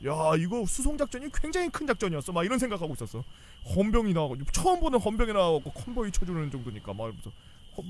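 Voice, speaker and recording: Animated man telling a rowdy story. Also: sits high, slight background noise. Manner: animated, swearing, acts out yelling officers. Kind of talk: casual anecdote telling.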